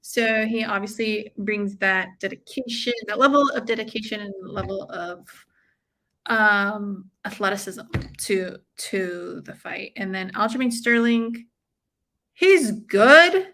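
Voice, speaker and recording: There's a little hiss or hum behind this mid-range, fairly bright female voice, which moves at a slow pace. She's an American watch-along host on a livestream, chatting with viewers in an informal, gushing, slangy manner and commenting on the fight.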